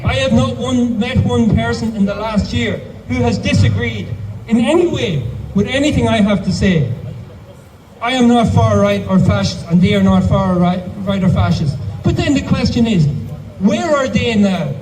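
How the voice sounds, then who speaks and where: Irish man, very high voice, forceful rally speech, echoey, far from mic, noisy. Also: normal speed. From Ireland. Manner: forceful, repeating himself, some restarts. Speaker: teacher, rally speaker. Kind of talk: outdoor protest speech. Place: town square outdoors.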